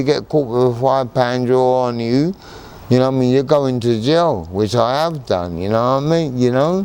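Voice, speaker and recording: Noticeable background noise sits behind this man. He speaks at medium pitch with lively intonation. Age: 60s. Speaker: drug user. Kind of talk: interview answer.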